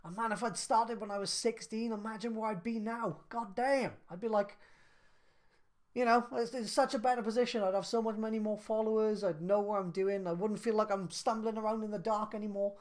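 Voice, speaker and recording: A man in his thirties on a live stream, reading out viewer questions and answering them in a relaxed, chatty way with lots of fillers. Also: high-pitched, fairly quick. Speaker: craft business live streamer.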